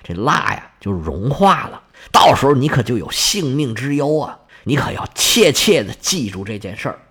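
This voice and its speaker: A man's voice: mid-range voice, very animated, normal speed, fairly bright tone, husky, pitched below the performer's own voice, full character voice. A man voicing an anxious aging craftsman father who earnestly warns his son, in a storytelling performance. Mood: warning. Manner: earnest, repeated warnings.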